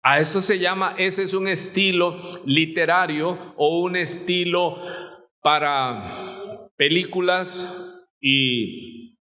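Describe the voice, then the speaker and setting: A man with a Mexican accent, a pastor, preaches an animated sermon to his congregation, acting out quoted voices and putting questions to the listeners. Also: sits high, slow. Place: church sanctuary. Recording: live recording in a reverberant church.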